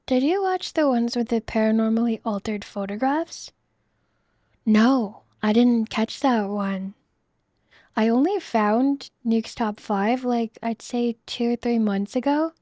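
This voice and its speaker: A woman in her thirties, chatting casually in a soft, rambling way while she draws on stream. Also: on the high side, takes it slowly, dry recording, studio quality. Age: 30s. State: losing her voice. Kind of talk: casual chat while drawing.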